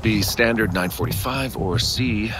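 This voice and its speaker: A man's voice: on the low side, measured pace, over music, close to an everyday voice. An actor playing a polite, hesitant young man riding as a passenger in an audio drama, chatty and natural. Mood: musing.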